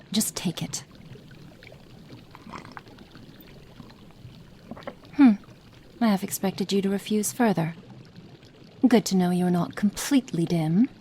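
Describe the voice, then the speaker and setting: A woman voicing a cold, impatient female witch experimenter in an ASMR roleplay, speaking softly and partly in whispers, haughty and condescending. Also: medium pitch, slight background noise, close to an everyday voice. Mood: commanding. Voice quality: soft, partly whispered delivery.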